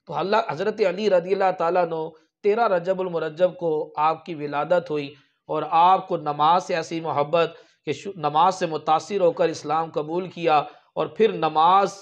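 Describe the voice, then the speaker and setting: A man's voice: a little high, lo-fi sound. A man preaching a sermon, telling religious stories with emphatic raised peaks. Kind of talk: storytelling sermon.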